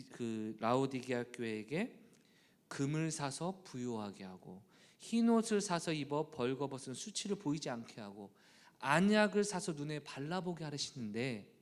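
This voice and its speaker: A man's voice: mid-range voice, a little mellow. A middle-aged man preaching a sermon as pastor, addressing the congregation again and again and acting out his children's voices.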